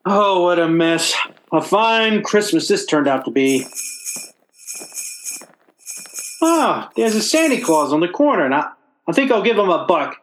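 A man's voice: high-pitched, very animated, normal speed, roomy sound, rough recording. An actor playing a blustering, self-pitying working-class father in old-time radio comedy style, with stammering, folksy, ungrammatical speech. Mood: glum.

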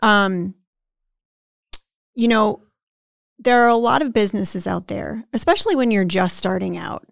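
A woman's voice: mid-range voice, lively intonation, unhurried, vocal fry, pauses often, no echo, clean studio sound. A woman co-hosting a podcast in casual conversation, chatty, often tagging sentences with "right?" and acting out the self-talk of the people she describes. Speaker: podcast co-host.

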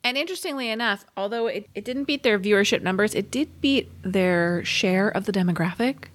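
Woman podcast co-host, mid-pitched and steady, calm and measured, brisk with numbers. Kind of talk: casual chat.

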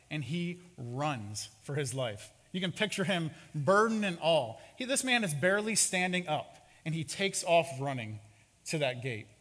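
A pastor with a somewhat high, slightly bright voice preaches a sermon, narrating a story and performing the lines of its characters. A long hall reverb hangs over the recording.

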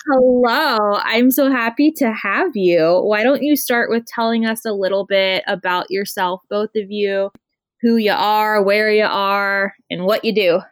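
A woman hosting a casual radio talk show, upbeat and quick, laughing often with her guests. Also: mid-range voice, no echo. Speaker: host.

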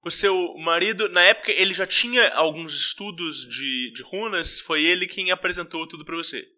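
A woman's voice: lowish voice, normal speed, sharp tone. A woman hosting a casual interview, asking attentive questions. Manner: attentive, asks questions, many short affirmations. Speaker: podcast host.

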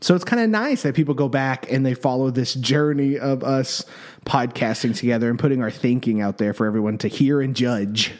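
A man co-hosts a casual podcast through a desk microphone in an echoey office room. His mid-range voice is a little mellow, and he talks fairly quickly in a loose, chatty way, correcting himself as he goes.

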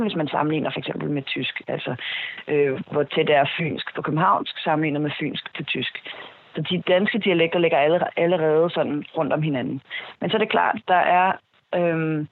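Interview guest, man, slightly high gravelly voice, halting and filler-heavy, phone-thin dry sound. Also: no echo, phone-quality sound. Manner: hesitant, many fillers and restarts. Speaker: interviewee, speech technology expert. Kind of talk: explanatory interview answers.

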